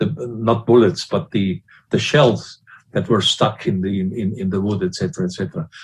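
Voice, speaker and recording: A man's somewhat breathy, fairly low voice at a moderate pace, with ordinary pitch variation. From western Austria. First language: German. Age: 80s+. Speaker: law professor. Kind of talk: lecture Q&A, personal reminiscence. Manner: halting, many repetitions.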